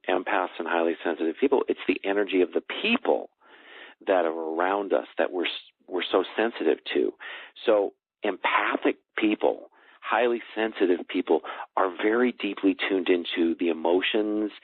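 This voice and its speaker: A man in middle age with a low-pitched voice talks as an interview guest. He searches for words and doubles back on phrases to stress them. The sound is a thin telephone connection with no room around it. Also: dry recording. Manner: hesitant, searching for words, repeats phrases for emphasis. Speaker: guest, personal growth coach and author. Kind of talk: conversational interview on a call. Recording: dry, band-limited phone call.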